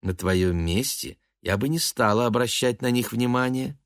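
A man's voice: medium pitch, moderate pace, dry recording, clean studio sound, voice pushed up, natural voice. A man voicing an aging, stubborn, self-pitying mother, in a raised, fussy, plaintive tone. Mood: dismissive. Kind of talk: audiobook character voice.

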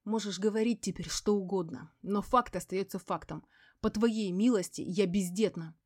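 A woman reading an audiobook voices a furious, spiteful ex-wife who hisses and yells, her voice breaking into shrieks. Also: mid-range voice, normal speed, no echo, studio quality, natural voice. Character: furious embittered ex-wife, spiteful poisoner, screaming.

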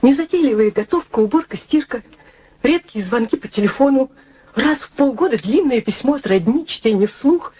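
An actress in a radio play playing a proud unmarried daughter with a dry, composed, ironic manner. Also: female voice, high voice, animated, normal speed, dark tone, breathy edge. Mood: wistful, earnest. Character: proud, wry unmarried daughter devoted to her elderly mother.

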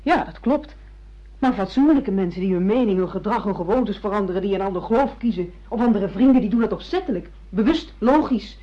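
A woman's voice: medium pitch, lively intonation, a little fast, natural voice. A woman acting a self-assured secretary and secret mistress in a Dutch radio play, frank and reproachful as she lectures her boss. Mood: indignant, reproachful. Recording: muffled lo-fi radio play recording.

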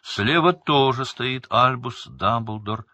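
A man reading a novel aloud in measured, dramatic narration. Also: medium pitch, pushed and bright, dry recording, lo-fi sound. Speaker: audiobook narrator. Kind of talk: scripted audiobook narration.

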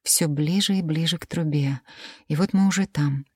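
Low-voiced woman reading an audiobook. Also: normal speed, a little mellow, slightly rough, no room sound, clean studio sound. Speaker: audiobook narrator. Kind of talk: first-person audiobook narration.

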